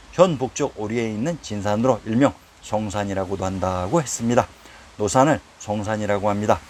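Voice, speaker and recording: A man reading a formal lecture on old place names, reciting quotations from historical texts at a steady, even pace. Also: lowish voice, slight background noise. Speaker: narrator of a history lecture series. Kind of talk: read-aloud historical lecture.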